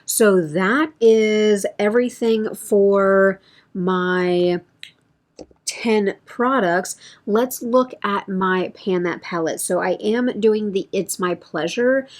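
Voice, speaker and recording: A woman's voice: medium pitch, takes it slowly. A woman beauty vlogger chatting casually through a product update, thinking aloud and correcting herself, with a voice that feels a bit strained.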